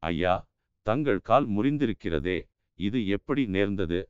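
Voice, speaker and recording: A firm, commanding young warrior prince , as a male narrator puts him on, speaking in a low, crisp voice. The audiobook recording is dull and lo-fi, and close and dry. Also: expressive, a little slow, dry recording. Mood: gentle. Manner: firm, authoritative.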